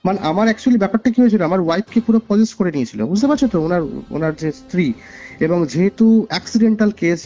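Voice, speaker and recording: A man with a fairly high, mellow voice and a West Bengal Bengali accent tells his story in an earnest, conversational way. He circles back on phrases to stress them. The sound is a dull, lo-fi call recording with music underneath. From West Bengal, India. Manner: earnest, repeats phrases for emphasis. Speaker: caller sharing a personal ghost story.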